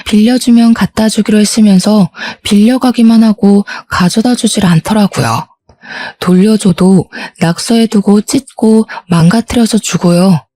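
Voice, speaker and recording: A woman narrating a scripted first-person story with a mellow, warm tone and an indignant edge to her telling. The recording is close and dry, with no echo around the voice. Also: mid-range voice, a little slow. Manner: indignant, even-paced retelling.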